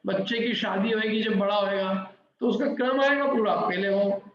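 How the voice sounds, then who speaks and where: Middle aged man w/ teaching a scripture class, quizzes the room, pretty high voice, dull muffled sound. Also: steady tone, normal speed. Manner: explains step by step, asks the class questions. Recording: very echoey, dull lo-fi room recording.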